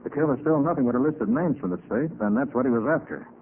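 An actor playing a brisk, confident American master detective, giving clipped deductions in a 1940s radio drama. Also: male voice, mid-range voice, close to an everyday voice. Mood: brisk, analytical. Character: brisk, sharp-eyed master private detective. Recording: muffled hissy 1940s radio recording.

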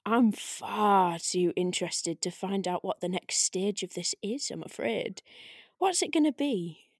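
A taunting, otherworldly spirit acted by a woman in an audio drama read. The delivery is unhurried, sardonic and provoking, savouring each phrase. The sound is close and dry, with very little room. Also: medium pitch, expressive, slightly rough, no room sound. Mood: mocking, teasing. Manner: drawn-out, sardonic, needling. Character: taunting disembodied arcane spirit, silky and provoking.

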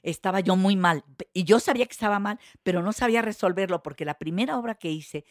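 An older woman, a guest actress, tells anecdotes in a casual chat, speaking fast at a medium pitch. She's a lively storyteller who laughs often and restarts her sentences many times. The recording is dry, with clean studio sound.

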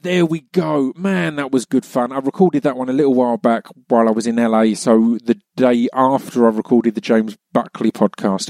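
A man's voice: mid-range voice, mellow, dry recording, studio quality. Rambling British man hosting a podcast. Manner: rambling, self-deprecating. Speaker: podcast host. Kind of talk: casual chat.

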